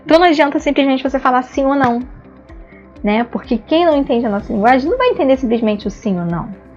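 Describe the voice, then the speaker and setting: A woman's voice: high-pitched, animated, fast talker, darkish tone, dull audio, soft background music. A Brazilian woman giving an online lesson on therapy, explaining patiently with frequent tag questions and acted-out examples. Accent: Brazilian Portuguese. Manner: explanatory, frequent "né?" tags, acts out praise and "no" examples. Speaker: ABA therapy instructor.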